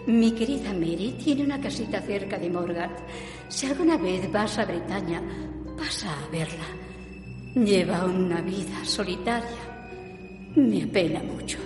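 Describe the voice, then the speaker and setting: A woman's voice: mid-range voice, measured pace, lightly acted. An actress playing an affectionate, wistful married woman in a radio drama, speaking tenderly and pleadingly. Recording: long echoing reverb over music.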